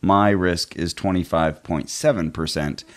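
A man with a notably low voice co-hosts a casual podcast. He talks freely, pokes fun at himself and laughs often. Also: fairly even intonation, unhurried. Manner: chatty, laughs often, self-deprecating. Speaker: podcast co-host.

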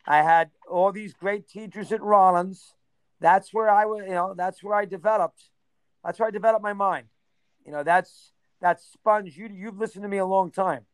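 A man in his sixties, reminiscing in a casual interview, rambling and rattling off names in quick bursts. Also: high-pitched, fairly even intonation, clean tone, no echo. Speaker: interview guest.

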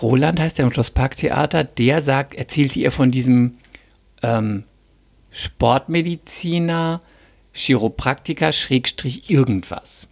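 A man chatting casually on a podcast, telling a lively anecdote and acting out the dialogue. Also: mid-range voice, measured pace, creaky. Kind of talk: casual podcast chat, storytelling.

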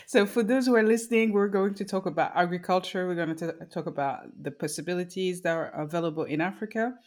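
Woman interview host, slightly low voice, short prompting replies. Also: fast talker. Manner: brief prompting responses. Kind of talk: casual interview hosting.

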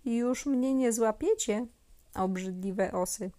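A woman voicing a tiny, brave little girl in a children's storybook, speaking in a bright, eager, childlike way. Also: mid-range voice, expressive, slow pace.

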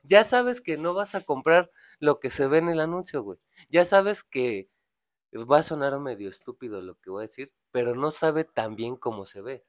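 Telling a story among friends, a young man with a Mexican accent curses freely, uses slang, and acts out the characters. He's animated at medium pitch and normal speed with few pauses; the sound is studio quality with no echo.

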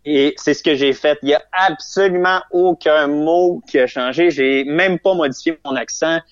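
A young man with a Québécois French accent, guesting as a comedian in a casual interview, rambles in a self-amused way, full of fillers and restarts. His voice is a little high and his pace moderate. The recording is dry with no room sound, though slightly dull and lo-fi.

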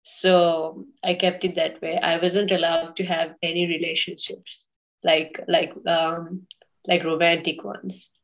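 Soft, flat-voiced woman from Sri Lanka. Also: on the low side, slow, poor audio. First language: English. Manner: hesitant, many fillers and restarts. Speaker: guest. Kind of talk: casual interview talk.

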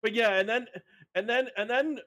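High-voiced man rambling through a recap. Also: moderate pace, a bit bright, highs cut off. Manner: rambling, restarting, skeptical. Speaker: podcast co-host. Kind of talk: casual wrestling recap chat.

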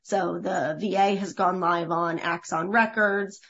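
A woman with a slightly husky voice, speaking as a company executive giving a factual business update. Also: on the low side, steady tone, measured pace, a bit bright. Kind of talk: earnings call report, factual. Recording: dull, lo-fi conference-call audio.

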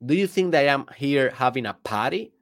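A man's voice: mid-range voice, expressive, a little fast. A native Spanish-speaking man with a Spanish accent, giving an emphatic solo motivational talk as a business coach, often asking the listener rhetorical questions.

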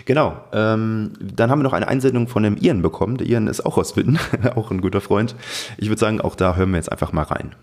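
Male podcast co-host, low-pitched voice, casual conversational delivery. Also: fast talker, a little mellow.

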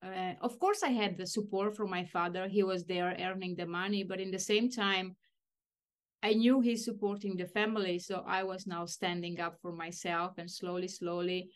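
A woman from Romania, middle-aged, telling her life story as an interview guest, reflective and halting, with phrasing and frequent restarts. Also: on the low side, fairly even intonation. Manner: reflective, non-native phrasing with many restarts.

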